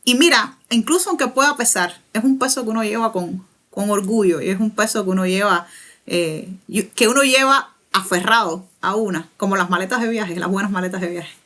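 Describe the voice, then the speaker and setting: A young Cuban woman with a Cuban Spanish accent, a writer answering interview questions thoughtfully, pausing and restarting as she searches for words. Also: mid-range voice, fairly bright tone. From Cuba. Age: young adult. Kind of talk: reflective conversational interview.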